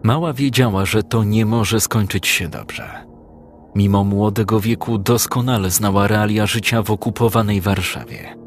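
Low-voiced male audiobook narrator. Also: faint music behind. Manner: calm, measured, dramatic.

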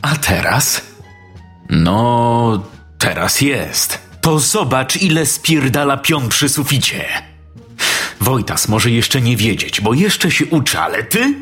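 A man's voice: mid-range voice, very animated, takes it slowly, fairly bright tone, faint music behind, voice pushed up, heavily acted. A man voicing a hulking, furious male construction boss who swears and bullies his workers with scorn. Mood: mocking.

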